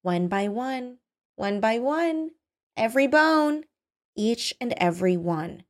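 A woman reads as a storybook villainess, a young woman who has come unhinged. She drifts along in a dreamy, quiet menace, then breaks into furious, vengeful outbursts. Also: high voice, lively intonation, normal speed, pitched above the performer's own voice, full character voice.

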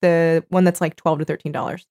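A woman with a lowish voice co-hosts a chatty podcast. She reads passages from a book aloud and gives them playful emphasis. She talks into a studio mic. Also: flat delivery, a little fast, dark tone. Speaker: podcast co-host. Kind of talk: casual chat reading from a book. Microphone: studio microphone.

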